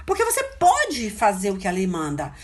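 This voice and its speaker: Animated woman preaching. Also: medium pitch, normal speed. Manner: chatty, hunts for verses aloud, frequent "né?" tags. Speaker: missionary preacher. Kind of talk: informal sermon.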